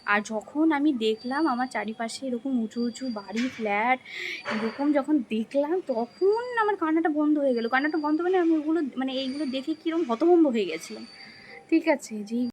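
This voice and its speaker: Young Bengali woman, vlogger, casual storytelling, hesitant, fairly high pitch, faint background hiss. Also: a little fast, a little mellow. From India. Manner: reflective, hesitant, many fillers and restarts. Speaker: vlogger, housewife.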